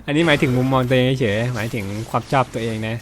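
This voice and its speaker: A man's voice: medium pitch, fairly even intonation, very fast, a little hiss or hum. A young man chatting casually and teasingly while commenting on his mobile game. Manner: chatty, teasing, laughs often. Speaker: gaming streamer. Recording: music playing behind.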